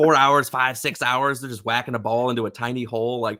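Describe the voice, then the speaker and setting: Very fast and bright in tone, a man's sharp, medium-pitched voice comes through on a very clean recording with a silent background. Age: 30s. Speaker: golf content creator. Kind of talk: casual chat.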